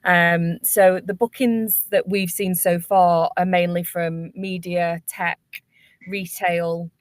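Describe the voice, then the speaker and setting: A woman speaking as a workspace panelist in a webinar, explaining things in measured, business-like phrasing. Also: lowish voice, dry recording.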